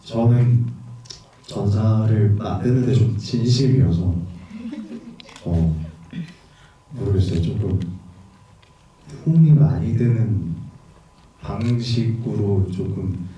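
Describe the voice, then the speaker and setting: A man, an actor at a screening Q&A, answering in a halting, thoughtful way. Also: lowish voice, warm tone. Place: cinema auditorium. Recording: dull, echoey, distant.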